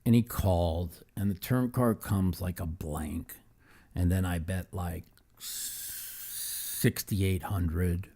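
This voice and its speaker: Deep gravelly guy hosting his podcast, slow, rambly, lots of uhs. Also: steady tone, warm tone. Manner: rambling, repeats words, many fillers. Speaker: podcast host. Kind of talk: casual monologue on football and poker.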